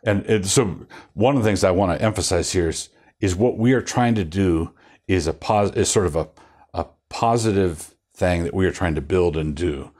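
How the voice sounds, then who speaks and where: A relaxed interview takes place on a studio set with bookshelves, where an older pastor speaks into a lapel mic. His low-pitched voice keeps a moderate pace while he rambles through his thoughts, restarting and chuckling wryly.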